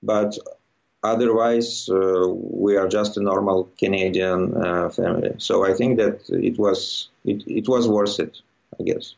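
The recording is dull and lo-fi, carrying the low voice of a middle-aged man with a Russian accent. He is a guest in an interview, talking conversationally. His delivery is halting as he feels his way toward the right words. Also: steady tone, gravelly, darkish tone. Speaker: interview guest, immigrant to Quebec. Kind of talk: conversational personal account in an interview.

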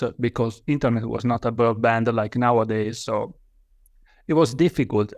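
A man's voice: medium pitch, a little mellow, no echo, studio quality. A man from Italy with an Italian accent, speaking English as a guest on a podcast interview, hesitant with many fillers and restarts. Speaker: guest author.

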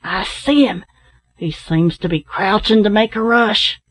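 A woman's voice: mid-range voice, unhurried, lightly acted. A woman voicing a hearty, blustering male sea captain in an adventure story. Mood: hearty, alert.

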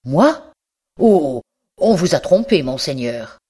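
A miserly old bookseller, voiced by an audiobook reader, guarded and stammering, clinging to his precious manuscripts. He speaks slowly, with a strained, faraway tone, as in a storybook reading. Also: mid-range voice, sing-song, dark tone, slightly rough, full character voice.

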